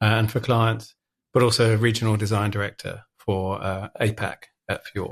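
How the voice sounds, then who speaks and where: A man's fairly low, somewhat breathy voice with a British accent, monotone and flat in intonation, at a moderate pace over a quiet background. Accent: British, noticeable. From UK. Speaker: design leadership coach. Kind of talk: interview. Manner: halting.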